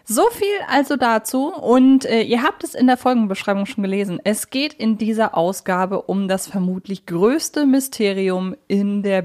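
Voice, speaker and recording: A woman's voice: mid-range voice, a little mellow. Woman hosting a casual podcast. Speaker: podcast host. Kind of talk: casual conversational podcast talk.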